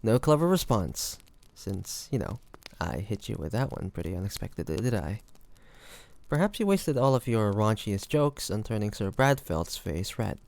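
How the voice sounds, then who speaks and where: A man playing a flirty, teasing bodyguard to a noble in an intimate fantasy audio roleplay, with playful, halting delivery. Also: on the low side, sing-song, vocal fry, a little mellow. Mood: teasing, suggestive. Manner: playful, teasing, halting pauses, often chuckling.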